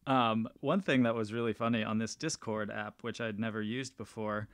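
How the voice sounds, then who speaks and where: A man's voice: fairly low pitch, fairly even intonation, moderate pace, no echo, clean studio sound. A man hosting a podcast interview, chatty and enthusiastic, rambling with frequent restarts. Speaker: podcast host. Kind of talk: casual interview chat.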